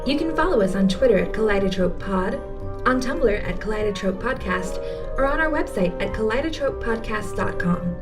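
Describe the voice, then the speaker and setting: A woman's voice: medium pitch, animated, fairly quick, far from the mic. A woman reading scripted podcast credits as an announcer. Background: clear music.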